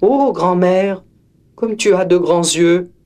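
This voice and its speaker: Man doing a little girl in a red hood, sweet, timid, high, slow storybook voice. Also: animated, a little mellow. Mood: wondering.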